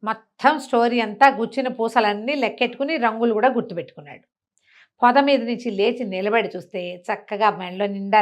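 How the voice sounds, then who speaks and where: A woman telling a village tale in a conversational way, animated and chatty with explaining asides. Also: mid-range voice. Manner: animated retelling, acting out characters' remarks, explaining asides to a co-host. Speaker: storyteller. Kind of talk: conversational oral storytelling of a village folk tale.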